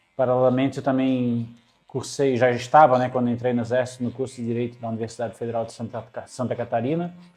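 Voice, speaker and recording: This man has a dark, mellow tone. He speaks at a fairly quick pace. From Florianópolis, Brazil (manezinho). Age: 50s. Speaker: lawyer, cancer survivor. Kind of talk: interview.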